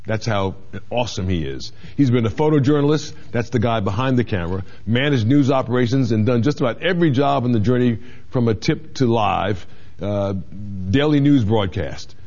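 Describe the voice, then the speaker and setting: A man hosting an interview show, introducing his guest and asking questions with enthusiastic quick interjections. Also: mid-range voice, a little mellow, muffled recording.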